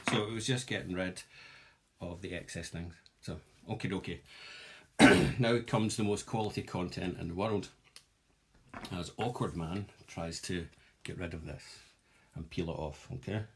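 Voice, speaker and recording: A man's voice: low-pitched, moderate pace, long pauses, a little hiss or hum. A young Glaswegian man hosting a live-streamed jewellery workshop, demonstrating and joking with viewers in a chatty, self-mocking way. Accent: Glaswegian Scottish.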